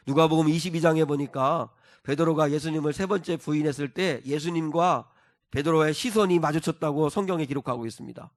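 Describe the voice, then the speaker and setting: Pastor, male, higher voice, fervent sermon with emphatic repetition. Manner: earnest preaching that swells into emphatic, repeated exhortations. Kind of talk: Sunday sermon.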